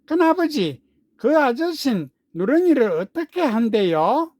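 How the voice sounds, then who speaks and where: A man's voice: very high voice, very animated, measured pace, darkish tone, no room sound, studio quality, pitched above the performer's own voice, exaggerated voice. A man reading a storybook, voicing an eager young boy who pleads insistently for his calf. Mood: pleading.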